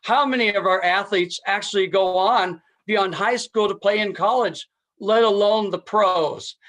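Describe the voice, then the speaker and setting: A contestant with a high-pitched, fairly bright voice gives an impromptu persuasive speech. He's earnest and emphatic, repeating his key phrases.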